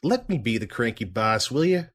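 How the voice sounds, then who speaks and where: A man's voice: mid-range voice, big pitch swings, moderate pace, slight background noise, close to an everyday voice. Cranky, weary male police boss played by an actor. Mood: gruff, impatient. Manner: weary, sarcastic grumbling. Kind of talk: audio drama acting.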